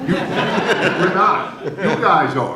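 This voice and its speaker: A man talks while noticeable noise is present in the background. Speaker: voice actor. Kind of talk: convention panel talk. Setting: convention panel stage.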